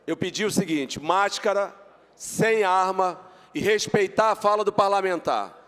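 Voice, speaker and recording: A man's voice: sits high, expressive, measured pace, fairly bright tone, long reverb tail. A man chairing a legislative session in a chamber, firm and procedural, repeating polite requests. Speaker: session president.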